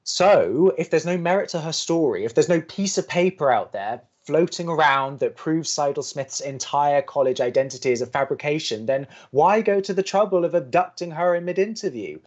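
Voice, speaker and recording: A man's voice: a little high, animated, normal speed, few pauses, highs cut off. Man playing wry, sceptical young college radio co-host. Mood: argumentative. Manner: wry, sardonic, reasoning. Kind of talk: scripted audio drama dialogue, romantic comedy.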